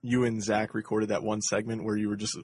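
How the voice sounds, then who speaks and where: A man's voice: on the low side, level tone, fairly quick, very noisy. A man on a podcast panel in casual chat, speaking hesitantly and unsure of himself.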